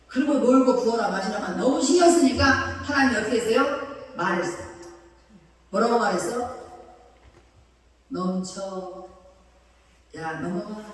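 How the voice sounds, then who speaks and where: A woman pastor preaching a sermon in an animated, colloquial way, acting out quotes. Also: on the high side. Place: church sanctuary. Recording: echoey church hall, distant mic.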